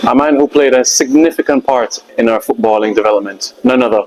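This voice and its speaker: Male interviewer, mid-pitched, effusive and conversational. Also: fairly quick, low-quality recording. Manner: warm, effusive praise. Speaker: interviewer, host. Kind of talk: casual interview chat.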